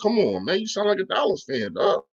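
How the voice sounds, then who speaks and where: A man's voice: high voice, big pitch swings, brisk, lo-fi sound. A man hosting a sports podcast, arguing his points emphatically in casual, slangy chat while answering his live audience.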